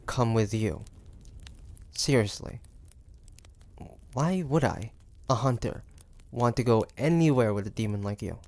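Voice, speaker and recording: A man playing a wary, stubborn young demon hunter in an intimate audio roleplay, speaking in a hesitant, grudging, halting way. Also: medium pitch, animated, a little mellow. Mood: distrustful, warning. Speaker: voice actor. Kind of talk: intimate audio roleplay acting, addressing the listener.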